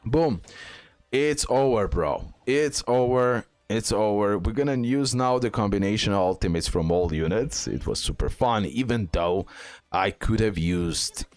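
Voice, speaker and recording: Deep voiced guy, talking thru a mobile game, slangy, pitch jumps around a lot, dry close sound. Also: expressive, unhurried, darkish tone, no echo, soft background music. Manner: thinks aloud, slangy, repeats himself. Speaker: game streamer, guide maker. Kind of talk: casual gameplay commentary.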